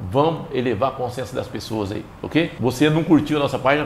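A man talks with lively intonation. Light background noise sits behind him. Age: 60s. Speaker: YouTube health vlogger. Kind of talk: solo vlog explaining health info. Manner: informal, conversational. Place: office. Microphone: lapel.

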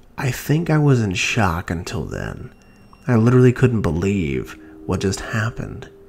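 At a moderate pace, a man with a fairly low voice makes very wide pitch swings, with noticeable background noise behind him. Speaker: horror story host. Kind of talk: scripted ghost story narration, first-person creepypasta read aloud in a spooky tone. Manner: formal, theatrical host persona in welcome and sign-off.

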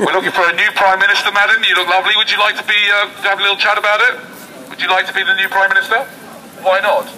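A man speaks in an animated, theatrical tone with a raised, projected voice, his pitch high and his pace very fast. Light background noise sits behind him. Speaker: street preacher with megaphone. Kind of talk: street pitchman's rant, preaching to passersby. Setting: outdoors, street with megaphone. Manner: loud, animated, jokey, theatrical; addresses crowd directly. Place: street. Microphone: camera far.

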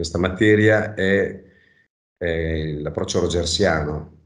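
A man's very deep, low voice with ordinary pitch variation, a very slow pace, and a quiet background. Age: 60s. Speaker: psychology practitioner; interviewee. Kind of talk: interview. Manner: halting, many fillers and repetitions. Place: home room. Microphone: video call.

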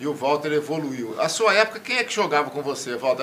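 A man talks at a moderate pace with very wide pitch swings. Light background noise is audible. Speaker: sports reporter and co-host. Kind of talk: studio sports interview. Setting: TV studio. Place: studio. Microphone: lapel.

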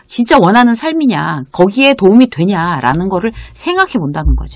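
A woman's voice with very wide pitch swings against a quiet background. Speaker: lecturer on workplace life. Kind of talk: lecture. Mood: warm, lightly humorous. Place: studio. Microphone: studio mic.

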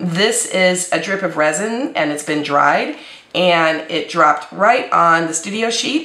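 A woman's fairly low voice with ordinary pitch variation and audible room echo. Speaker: craft product educator. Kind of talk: tutorial. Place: workshop.

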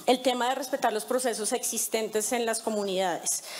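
This is a woman talking. Her pitch sits high. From Colombia, Bogotá. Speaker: panel moderator. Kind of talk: panel moderation. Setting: stage with audience. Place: hall. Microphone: handheld.

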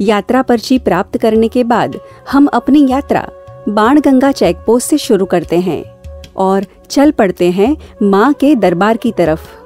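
A woman's fairly high voice with lively intonation, a dry, close sound with no echo, and music in the background. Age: 30s. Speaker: voice actor. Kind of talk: documentary narration.

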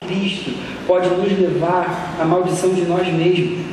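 A man with a high-pitched voice is heard through strong room echo and noticeable background noise. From Brazil. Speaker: preacher. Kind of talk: sermon. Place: church. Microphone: camera far.

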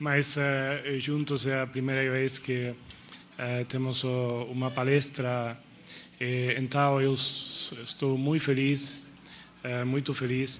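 A man talks at a very slow pace in a Spanish accent, his intonation monotone and flat. Light background noise sits under the recording. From Spain. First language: Spanish (speaking Portuguese). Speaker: law professor. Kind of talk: conference lecture. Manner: halting, many hesitations. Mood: warm, grateful. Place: hall. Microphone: podium.

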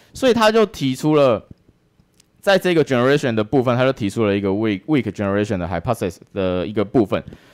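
Lively in intonation and animated in tone, a man speaks fairly quickly at a medium pitch. The sound is dry and close, with no echo. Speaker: conference speaker, software engineer and YouTuber. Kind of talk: technical conference talk. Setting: stage with audience. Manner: casual, joking, animated.

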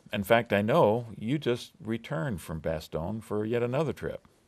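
A man talks at a moderate pace and medium pitch with lively intonation. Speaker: oral historian interviewer. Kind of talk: oral history interview. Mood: warm, respectful. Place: studio. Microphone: lapel.

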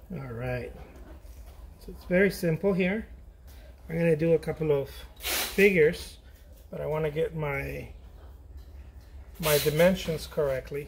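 A man talks at a moderate pace, leaving long, frequent pauses. His loudness swings widely, and background noise is noticeable. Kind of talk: tutorial. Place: workshop.

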